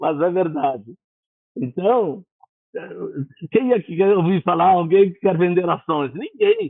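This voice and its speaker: Pausing long and often, a man speaks at a fairly slow pace in a high voice with ordinary pitch variation. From Egypt. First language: Spanish (speaking Portuguese). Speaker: events industry executive. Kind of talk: interview. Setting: recorded broadcast program. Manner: hesitant, with many fillers.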